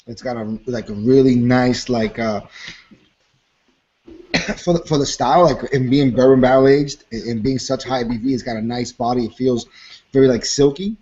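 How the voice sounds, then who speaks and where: A man's voice: mid-range voice, fairly even intonation, normal speed, a little mellow, muffled recording. A man describing a beer on a video call, rambling with many fillers. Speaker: co-host. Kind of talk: casual beer tasting chat.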